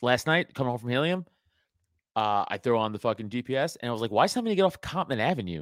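A man talks at a very fast pace with very wide swings in pitch, recorded very cleanly against a silent background in a dry, close sound with no echo. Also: medium pitch for a man. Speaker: comedian. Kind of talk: casual chat.

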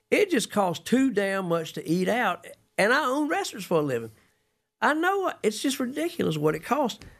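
With a Southern US accent, the speaker's voice moves through very wide pitch swings. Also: man, high pitch for a man, moderate pace. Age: 60s. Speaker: restaurant owner. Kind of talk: interview. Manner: halting.

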